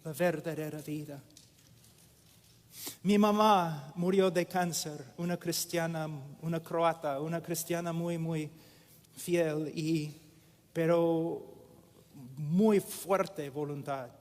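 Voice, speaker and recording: Slow emphatic male preacher, reverberant hall. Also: a little high, flat delivery. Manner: slow and emphatic, repeating phrases. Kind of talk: sermon.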